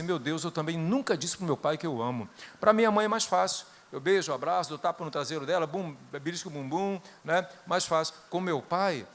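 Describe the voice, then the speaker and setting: Brazilian man preaching with hushed storytelling. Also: a little high. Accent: Brazilian Portuguese. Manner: storytelling, shifts from loud bursts to hushed tones. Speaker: guest preacher. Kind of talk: sermon with personal stories.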